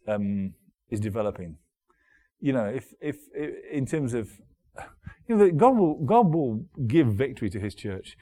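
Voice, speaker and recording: A middle-aged man from Derby, preaching a sermon as pastor in a conversational, halting way, often restarting and repeating words. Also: mid-range voice, dark tone. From Derby, England.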